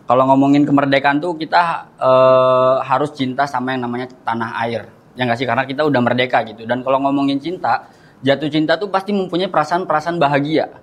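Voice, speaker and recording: A man's voice: medium pitch, fairly even intonation, a little fast. A young man doing stand-up comedy, chatting and often turning to the crowd.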